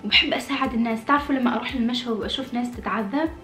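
A woman's voice: a little high, rapid-fire, bright, forceful tone, roomy sound, soft background music. A woman in her late twenties chatting casually and expressively as she answers viewer questions in a small room. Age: late 20s. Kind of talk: casual chat. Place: small indoor room with red curtains.

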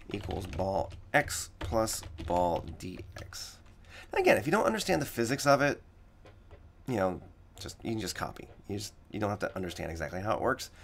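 Raspy-voiced man teaching code step by step. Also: fairly low pitch. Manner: explains step by step, repeats key points. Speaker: coding teacher. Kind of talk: screen-recorded coding tutorial.

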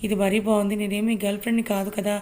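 A woman voicing a guarded young married woman who speaks in a sharp, reproachful way, read as part of a told story. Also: mid-range voice, little pitch movement, fast talker, lightly acted.

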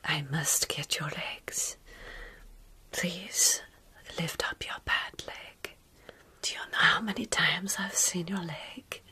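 A woman in her thirties voicing a tender, motherly vampire in a soft, soothing whisper for ASMR roleplay, close to the mic. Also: fairly low pitch, full character voice. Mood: gentle, caring. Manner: soothing, slow, reassuring. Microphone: close ASMR microphone.

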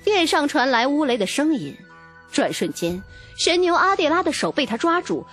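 A woman's voice: high voice, sing-song, normal speed, a bit bright, faint music behind. A woman narrating a novel in a dramatic, scripted first-person storytelling style. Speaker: audiobook narrator.

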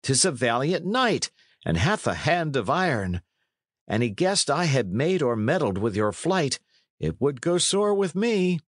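A man's voice: fairly high pitch, very animated, a little slow, no room sound, clean studio sound, pitched above the performer's own voice. A man voicing a blunt, kindly young adventurer in a storybook, with hearty archaic speech. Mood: forthright. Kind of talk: storybook character reading.

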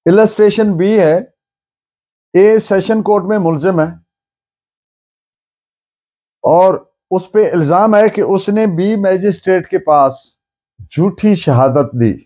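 An older man with a South Asian accent giving a formal, deliberate legal lecture, explaining points with frequent pauses. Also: high voice, dark tone. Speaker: law lecturer. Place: book-lined office or study, indoors.

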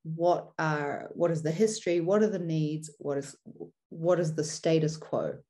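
Low, mellow New Zealand woman presenting. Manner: measured, didactic, poses rhetorical questions. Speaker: seminar presenter. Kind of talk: explanatory presentation with slides.

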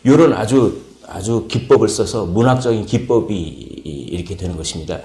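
A man's voice: fairly low pitch, animated, moderate pace, dark tone, slight background noise. Male pastor, early morning sermon, repeats key words, roomy echo. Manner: explanatory, repeats key words, many fillers. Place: church sanctuary.

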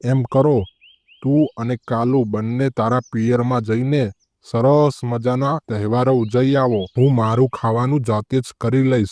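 Sly, greedy cartoon crow husband played by a man, mid-pitched, boastful, very dry recording. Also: fairly even intonation, a little slow, a little mellow, dry recording, lightly acted. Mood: reassuring. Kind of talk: animated moral story dialogue.

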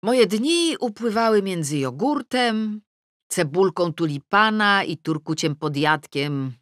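A woman's voice: medium pitch, lively intonation, slow pace, a bit bright, no echo. A woman reading a novel aloud in the first person, with a wry, dryly ironic storytelling manner, recorded close in a studio. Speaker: audiobook narrator.

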